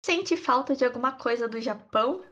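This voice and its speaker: A woman's voice: on the high side, expressive, moderate pace, fairly bright tone, highs cut off. A woman hosting a podcast, opening the episode and asking her guest short, friendly questions. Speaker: podcast host. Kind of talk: podcast interview.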